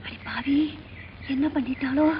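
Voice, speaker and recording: An actress playing a loud, quick-tempered village mother who scolds and shrieks. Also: lively intonation, slight background noise, heavily acted. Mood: wailing. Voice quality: shrill, shrieking. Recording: dull lo-fi film audio with music.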